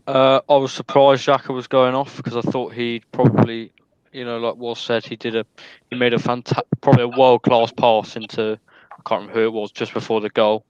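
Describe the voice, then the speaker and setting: A man giving casual post-match analysis as a fan, in a measured, tentative way. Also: medium pitch, flat delivery, clean tone, no echo, dull audio. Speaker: football fan panellist.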